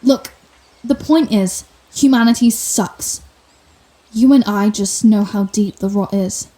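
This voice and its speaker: A woman playing a proud, sardonic telepathic villain with a secret soft side, in a theatrical, wry manner for an intimate ASMR roleplay. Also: mid-range voice, slow pace, natural voice, low-quality recording. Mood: grandiose, bitter. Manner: theatrical, wry, flustered denials, grand pronouncements.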